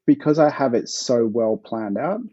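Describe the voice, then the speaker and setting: An Australian man, an author guest, talking in a relaxed, hesitant way with plenty of fillers. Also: mid-range voice, normal speed, slightly rough, no room sound, lo-fi sound. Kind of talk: casual interview chat.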